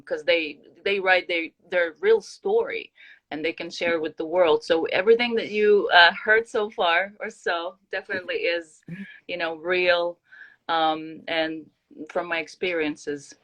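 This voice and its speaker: A woman from Kazakhstan talking casually as an interview guest, earnest and halting as she searches for words. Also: on the low side, a bit bright, poor audio. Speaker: guest singer-songwriter.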